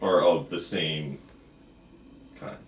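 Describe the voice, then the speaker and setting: A man's voice: extremely low pitch, fairly even intonation, slow pace. A man leading a script table read as filmmaker, talking casually and reading out stage directions. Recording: roomy, distant, faint background noise.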